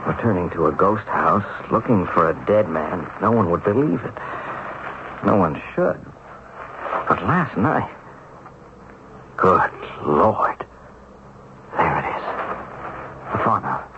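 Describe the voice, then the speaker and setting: A man's voice: low-pitched, animated, slow, pauses often. An actor playing an earnest, stubborn ordinary man bewildered by the supernatural in a radio drama. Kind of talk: 1970s radio drama acting. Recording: dull, faintly noisy old radio recording.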